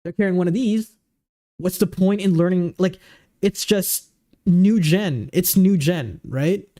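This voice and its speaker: A livestreamer in his twenties chats casually with his stream, easygoing and rambling, tripping over fillers and restarts. His slightly high voice is warm and mellow with a goofy edge, and he talks a little slowly.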